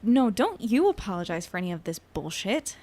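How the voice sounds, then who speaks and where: A woman's voice: medium pitch, sing-song, brisk, darkish tone. A woman playing a defiant, protective monster investigator, firm and assertive, in a naturalistic audio drama. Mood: indignant.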